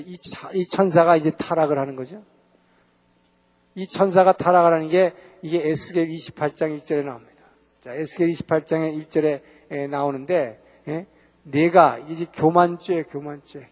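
A man with a fairly high voice teaches a Bible lecture, chatty and full of questions to his class. His voice rings with long hall reverb. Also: a little mellow. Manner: conversational, asks the class rhetorical questions.

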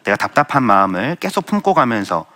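A man's voice: medium pitch, sing-song, fast talker, bright, forceful tone. A young man giving an earnest, self-deprecating Christian testimony and answering audience questions. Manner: earnest, self-deprecating storytelling with light laughs. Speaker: Christian speaker sharing testimony.

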